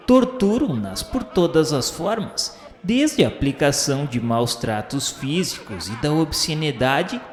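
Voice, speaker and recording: A man narrating a radio drama in a solemn, dramatic way. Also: on the high side. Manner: solemn, dramatic, rising in emphasis. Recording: reverberant hall sound with faint music.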